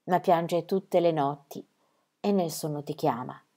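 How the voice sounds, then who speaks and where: A woman voicing a calm, loving mother in a reading of a children's story, speaking slowly and softly. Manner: slow, calm, low and soft. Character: calm, loving mother Lovisa, steady and wise.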